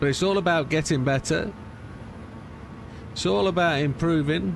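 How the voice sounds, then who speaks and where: A man with an unremarkable speaking voice, fairly high in pitch, at a moderate pace with lively intonation and very even loudness. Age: 60s. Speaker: sim racing streamer. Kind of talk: live gaming commentary. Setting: livestream.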